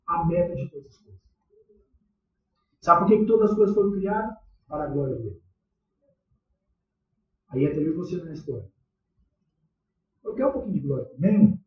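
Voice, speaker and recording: A man's voice: high-pitched, animated, fairly quick, pauses often. A man with a Brazilian Portuguese accent preaching a sermon in a church, talking conversationally and firing questions at the congregation with slangy asides. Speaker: pastor. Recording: echoey church hall, distant dull mic.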